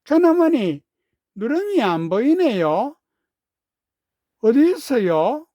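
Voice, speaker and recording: A man's voice: extremely high pitch, sing-song, slow pace, warm tone, dry recording, clean studio sound, voice pushed up, heavily acted. A man reading a storybook, voicing an eager young boy who pleads insistently for his calf. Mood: pleading.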